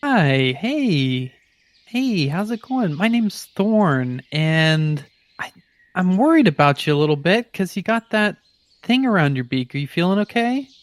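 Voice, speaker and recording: A man's voice: high voice, big pitch swings, unhurried, no room sound, voice pushed up. Man playing a kindly, whimsical forest ranger. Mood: friendly, concerned. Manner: gentle, reassuring, casual. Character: kindly, whimsical, confident nature-loving male ranger.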